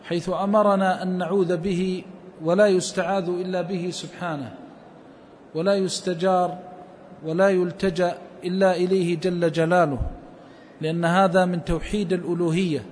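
A man explaining a religious text line by line in a measured scholarly lesson, quoting scholars and verse. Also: high voice, little pitch movement, a little mellow, in a large hall, a little hiss or hum. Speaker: Islamic scholar teaching a hadith text.

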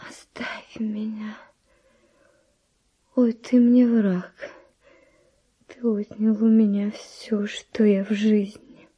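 An actress playing an anguished, wavering, tender woman in a radio verse drama, breathy and often dropping to a whisper. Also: medium pitch, little pitch movement, drawn-out words, pauses often, warm tone, lo-fi sound. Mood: accusing, breathy. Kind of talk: classic Russian radio drama acting of verse.

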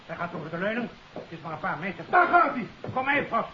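An actor playing an urgent, commanding police chief in a 1950s radio drama. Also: male voice, high-pitched, sing-song, crowd noise. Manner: brisk, commanding. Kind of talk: 1950s Dutch radio play acting. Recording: muffled, noisy 1959 radio recording.

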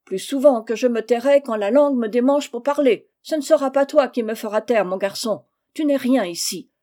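A woman reading a novel aloud, voicing a loud, shrill farm wife who scolds and accuses. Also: moderate pace, lightly acted. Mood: scolding. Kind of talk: audiobook character reading.

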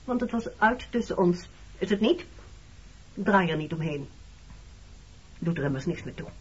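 A woman's voice: fairly low pitch, animated, normal speed, husky. An actress playing a wounded, reproachful married woman in a Dutch radio play, speaking frankly about her past. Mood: pressing, reproachful. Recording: dull, muffled old radio recording.

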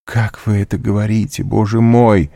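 A man's voice: moderate pace, warm tone, no room sound, clean studio sound. A man reading an audiobook, voicing a young noblewoman in raised, pleading, distressed tones. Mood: indignant. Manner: raised pitch, tearful urgency.

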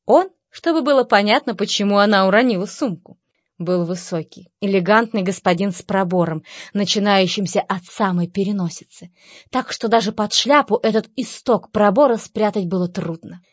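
A woman's voice: medium pitch, moderate pace, no echo. A woman narrating an audiobook in a wry, lightly ironic storytelling manner. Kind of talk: scripted narration. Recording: slightly dull dry recording.

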